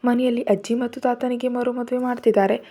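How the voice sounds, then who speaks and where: A woman's voice: a little high, level tone, brisk, dark tone, lightly acted. A woman voicing a witty, commanding young woman speaking on the phone, in an audio story. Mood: playful.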